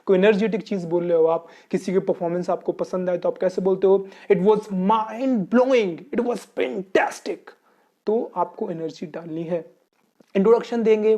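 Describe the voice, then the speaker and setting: A man's voice: high-pitched, dark tone, highs cut off. A man from Uttar Pradesh with an Indian accent, teaching English in a lesson and answering his own questions. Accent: Indian Hindi-speaking. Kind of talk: explanatory Hinglish lesson.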